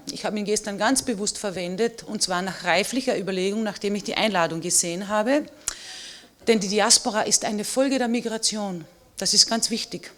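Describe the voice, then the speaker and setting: A middle-aged woman, a native Slovene speaker, giving an emphatic and personal statement as a historian on a panel. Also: mid-range voice.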